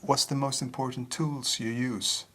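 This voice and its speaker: Guy doing the interview, short questions, lots of yeahs, mid pitch. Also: fairly even intonation, measured pace, a bit bright, slight background noise. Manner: brief prompts and backchannels.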